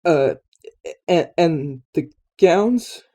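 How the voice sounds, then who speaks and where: Flustered knight, female actor: dark mellow tone, very animated pitch, stammering, deferential. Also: extremely slow, full character voice. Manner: stammering, formal. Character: prim, easily flustered, deferential royal knight. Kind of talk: fantasy audio drama acting.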